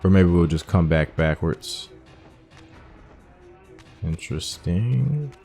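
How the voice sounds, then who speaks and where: A man's voice: sits low, animated, takes it slowly, gravelly, warm tone, faint music behind. A man giving casual let's-play commentary on a video game, musing aloud as he talks through each step. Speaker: gaming streamer playing through a video game.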